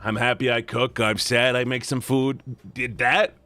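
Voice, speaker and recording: A man reading a visual novel aloud and joking between lines, with an animated manner that jumps high in pitch. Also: normal speed, no room sound. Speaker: game voice-over streamer.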